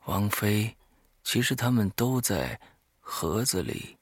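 A man's voice: lowish voice, expressive, slow pace, slightly rough, dry recording, clean studio sound. A man hosting a horror audio show, reading a diary aloud dramatically and breaking off for offhand, muttered asides.

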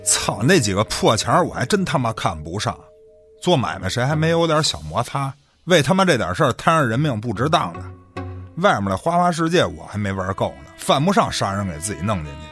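A man's voice: mid-range voice, sing-song, fairly quick, fairly bright tone, soft background music. Guy doing a streetwise shady boss in a radio play, cocky and sweary, lots of swing in his voice. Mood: defensive, dismissive. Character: brash, foul-mouthed, shady male restaurant boss. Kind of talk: radio drama acting.

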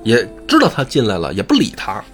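A man who hosts a podcast, retelling a classic novel in animated, colloquial chat and swearing freely. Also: fairly low pitch, fast talker, soft background music. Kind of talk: casual storytelling chat.

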